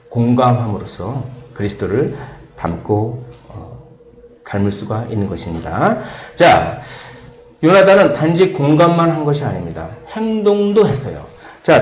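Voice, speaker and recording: Man, pastor, preaching a sermon, chuckles between phrases, voices quoted speakers, echoey church room. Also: medium pitch. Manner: animated, acts out the quoted speakers in a raised voice; frequent fillers and soft chuckles. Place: church sanctuary.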